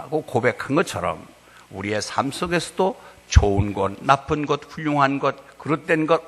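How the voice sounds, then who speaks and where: A male pastor preaching a sermon, telling a story with lively rhetorical questions. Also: medium pitch, big-room sound.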